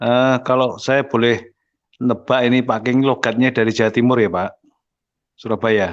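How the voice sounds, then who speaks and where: Man with an unremarkable speaking voice at medium pitch, fairly even intonation, very even loudness and a moderate pace, over a quiet background. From East Java, Kediri. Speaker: viewer asking questions. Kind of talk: casual chat.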